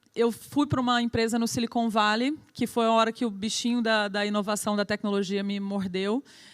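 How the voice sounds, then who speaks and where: The recording is very clean, with a silent background. A woman speaks at a moderate pace, her fairly high pitch carried by fairly even intonation. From Brazil, Goiânia. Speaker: keynote speaker, presenter and entrepreneur. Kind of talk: conference keynote talk. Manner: casual with many fillers.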